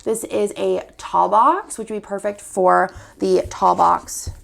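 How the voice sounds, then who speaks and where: Upbeat young woman, sniffly cold, gravelly fry, medium pitch, casual shop-owner vlog. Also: fairly even intonation, slow. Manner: chatty, upbeat, walks through items one by one. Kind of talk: casual product showcase.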